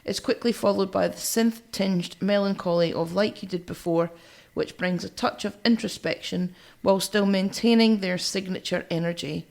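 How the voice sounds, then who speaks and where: A woman's voice: mid-range voice, fairly even intonation, normal speed, vocal fry, hardly any pauses. A woman co-hosting a music podcast, chatting and reviewing in a blunt, teasing way with some swearing. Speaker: podcast co-host.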